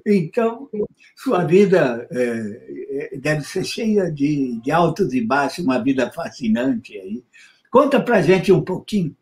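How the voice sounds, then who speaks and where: A man in his seventies with a Brazilian accent, chatting as an interviewer in a halting, rambling way, repeating words, on a video call. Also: a little high, very animated, a little mellow. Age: 70s. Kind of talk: informal interview conversation. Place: indoors in a room with bookshelves, on a video call. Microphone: video call microphone.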